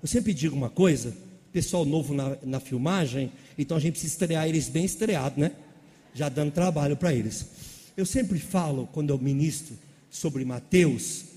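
A man preaches with animated energy and keeps calling out questions to his congregation. His voice sits a little high but sounds warm and mellow. A long reverb from the church hall trails behind each phrase. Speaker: pastor. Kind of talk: sermon.

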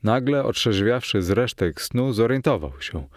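A man narrating a novel in the first person, in a measured, steady storytelling manner. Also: lowish voice, no room sound, studio quality. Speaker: audiobook narrator.

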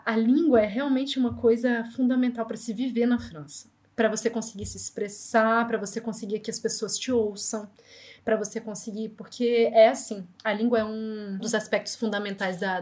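A Brazilian woman in her thirties with a Brazilian Portuguese accent, telling lively anecdotes fast in an interview. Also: on the high side. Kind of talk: casual storytelling.

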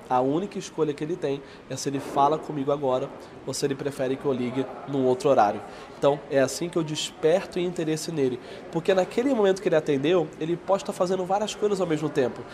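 São guy giving a sales lesson, highish voice, punchy and direct, acts out calls, bit of faint background noise. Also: quick pace. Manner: energetic and direct, speaks to the viewer and acts out sample calls. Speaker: sales trainer.

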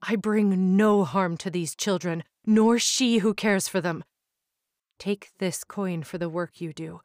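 A woman's voice: lowish voice, takes it slowly, dry recording, clean studio sound. A woman voicing a frightened male thief, an orphan, pleading urgently. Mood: earnest.

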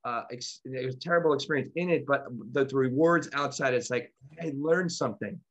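A man's voice: mid-range voice, fairly quick. A man co-hosting a podcast and teaching meditation, talking casually with many restarts and frequent laughter. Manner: rambling, animated, laughs often, many restarts. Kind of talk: casual conversational podcast chat.

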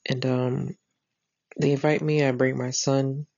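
A woman's voice: rumbling low, little pitch movement, a little slow, vocal fry, a little mellow, dry recording. A woman, hosting a podcast and retelling a dream in a rambling, earnest way with lots of fillers and restarts. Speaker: podcast host. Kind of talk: casual spoken retelling of a dream. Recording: dry, slightly dull lo-fi recording.

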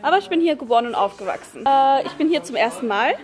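A woman's voice: high-pitched, lively intonation, fast, music in the background. A woman visiting a café for the first time, giving a chatty and curious interview answer. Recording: crowded room chatter.

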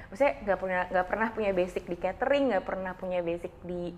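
A woman, a business co-founder, chatting casually as an interview guest and telling her story in a quick, colloquial way. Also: lowish voice, dull audio, a little hiss or hum.

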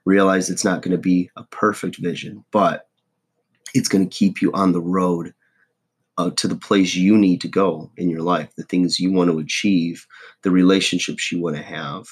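A hoarse, husky man in his forties giving a casual, folksy motivational monologue as a host. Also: sits low, little pitch movement, normal speed. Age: 40s. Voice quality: husky, rough. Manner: folksy, self-deprecating, checks in with "okay?" and "right?". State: hoarse voice, throat-clearing. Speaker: host of a motivational video podcast.

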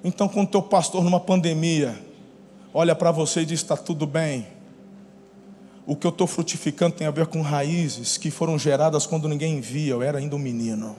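A man with a Brazilian Portuguese accent, a pastor telling lively stories in a sermon, acting out scenes with shouts and laughter. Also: a little high, normal speed. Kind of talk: storytelling sermon. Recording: long hall reverb, faint noise.

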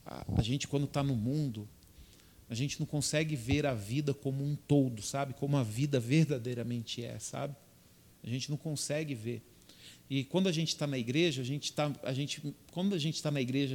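An older man, a pastor telling a testimony story in a sermon, often turning to the congregation and repeating himself as he goes. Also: mid-range voice.

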